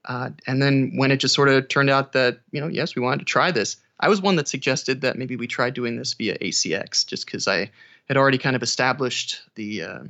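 Man, mid-pitched, very bright crisp-edged tone, casual interview storytelling, dull band-limited recording. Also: fairly quick. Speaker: audiobook narrator guest.

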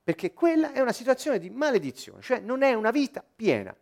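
Male preacher delivering a sermon, high and very animated delivery, emphatic with frequent restarts. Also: fairly quick, creaky.

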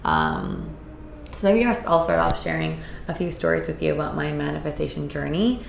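Woman host, hoarse from a cold, gravelly low voice, earnest and upbeat, roomy echo. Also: big pitch swings, moderate pace, background noise. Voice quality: raspy. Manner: upbeat, earnest, with filler words. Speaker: podcast host. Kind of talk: casual solo podcast talk. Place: indoors in Costa Rica.

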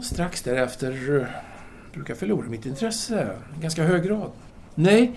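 A man's voice: fairly high pitch, warm tone, slight background noise. An actor playing a self-absorbed French intellectual lover in an audio drama, speaking formally and hesitantly as he earnestly justifies himself. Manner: formal, halting, theatrical hesitations.

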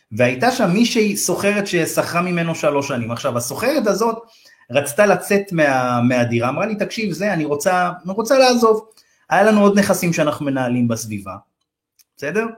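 Animated man telling a story, high voice. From Ethiopian community in Israel. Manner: animated, acts out quoted dialogue in raised voices; loose, slangy, addresses listener as bro. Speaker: real estate investment advisor. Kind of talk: casual storytelling in a podcast interview.

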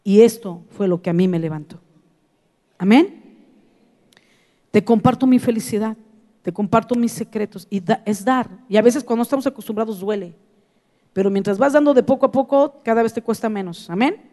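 A woman with a Mexican accent preaching a sermon, telling stories in a lively way and acting out her own past reactions. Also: on the high side, normal speed, long pauses, in a large hall. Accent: Mexican Spanish.

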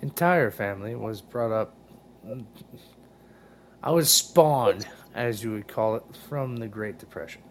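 A man's voice: on the low side, measured pace, a little hiss or hum. A man of forty calling in to a talk show, blunt and provoking, swearing as he talks. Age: 40s. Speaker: caller.

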